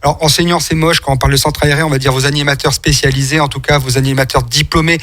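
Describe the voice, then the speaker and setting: French guy doing chatty local radio, voice a bit high, rambles and repeats himself. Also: flat delivery, fast talker, fairly bright tone. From France. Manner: wordy, rambling, repeats words. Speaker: radio host.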